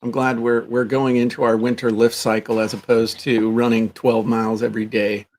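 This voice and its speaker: A man's voice: medium pitch, little pitch movement, normal speed, darkish tone. A man co-hosting a podcast, chatting casually in a blunt, colloquial way. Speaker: podcast co-host. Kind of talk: casual chat.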